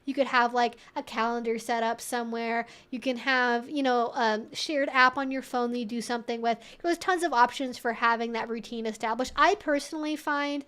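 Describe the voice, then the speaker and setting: A woman's voice: on the high side, fairly even intonation, moderate pace, few pauses, fairly bright tone, clean tone. A woman hosting a casual Q&A, giving conversational advice in an informal, rambling way with frequent asides. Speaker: livestream host and relationship educator answering viewer questions.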